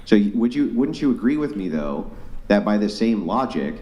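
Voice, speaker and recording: A man's voice: on the low side, big pitch swings, moderate pace, dark tone, echoey room, dull audio. A man in his forties, a panel guest, pressing his point in a heated debate with persistent questions. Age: 40s.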